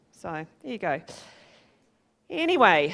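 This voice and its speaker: A woman with a New Zealand accent speaks in an animated tone. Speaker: business coach. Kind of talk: seminar talk.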